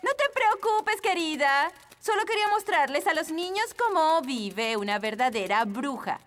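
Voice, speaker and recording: A woman's voice: high voice, expressive, normal speed, a bit bright. A woman playing a blunt, know-it-all fairy nanny in a Latin American dub of a children's cartoon, speaking emphatically and dismissively. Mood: brisk. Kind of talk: dubbed children's cartoon acting.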